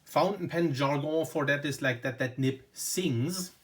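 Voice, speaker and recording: Sitting at a desk indoors, a man from Germany talks enthusiastically in German-accented English while reviewing a pen. He speaks at a measured pace in a slightly high voice, casual and unscripted, constantly leaning on "very, very" and "you know."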